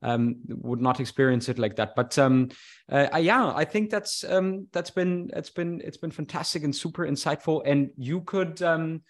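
A man hosting a podcast, talking in a hesitant, relaxed way with many fillers and restarts. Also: fairly high pitch, normal speed. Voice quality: single-sided deafness. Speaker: podcast host. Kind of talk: casual conversation.

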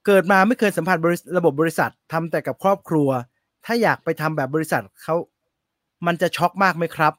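High-pitched man, easygoing chatter with frequent laughs, dry and close. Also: a little fast, dry recording. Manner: laughs often, polite particles, animated. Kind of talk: casual chat about work.

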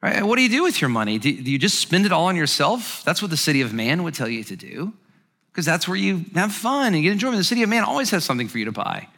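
A man preaching a sermon as pastor, animated, acting out quoted voices and often repeating words as he goes. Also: on the high side, quick pace, in a large hall. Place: church sanctuary.

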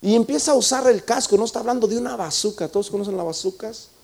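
A high-voiced man preaches to his congregation. He tells the story with drama and presses his listeners with repeated rhetorical questions. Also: fast talker, gravelly, darkish tone. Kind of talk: sermon.

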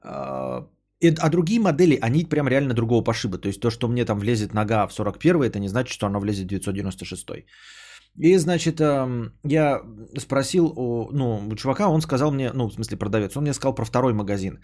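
A man's voice: medium pitch, fast, a little mellow. A man hosting a podcast, chatting casually with his live chat in a rambling, profane, worked-up way.

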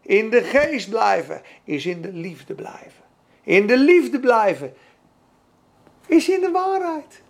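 A woman preaching a sermon with fervent emphasis, asking her own questions and answering them, swinging between soft and loud. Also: on the high side, very animated, slow, long pauses.

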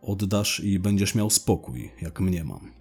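A menacing gangster with a deep, husky voice, spitting out slow, clipped threats laced with curses, as a man puts him on in a storybook crime drama. Soft music hums underneath. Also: expressive, full character voice. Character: angry middle-aged male gangster, menacing.

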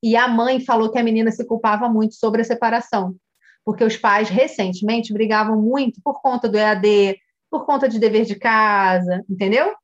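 High-voiced Brazilian woman teaching coaching. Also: normal speed, lo-fi sound. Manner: animated storytelling, acting out dialogue and addressing listeners directly. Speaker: family coach. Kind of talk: teaching by retelling a coaching session.

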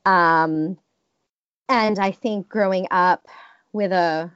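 Woman in her 30s, kinda low voice, talks slow and careful with lots of ums, muffled dry audio. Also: steady tone, a bit bright, clean tone, dry recording. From United States. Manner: thoughtful, hesitant, many restarts and ums. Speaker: interviewee. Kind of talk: reflective personal storytelling.

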